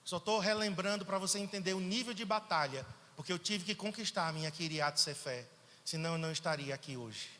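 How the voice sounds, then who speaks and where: A man's voice: high voice, a little fast, slight background noise. A male pastor from Pernambuco, Brazil, preaching a sermon in a church and telling a personal testimony, acting out quoted dialogue. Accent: Brazilian Portuguese, Pernambuco. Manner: animated storytelling, acts out quoted dialogue. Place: church sanctuary. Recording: church hall reverb.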